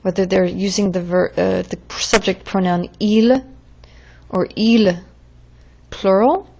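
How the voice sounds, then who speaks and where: A woman's voice: mid-range voice, fairly even intonation, slow, gravelly, a little mellow, lo-fi sound, slight background noise. A woman teaching French verb conjugations in a patient, drilling way, as in a recorded lesson.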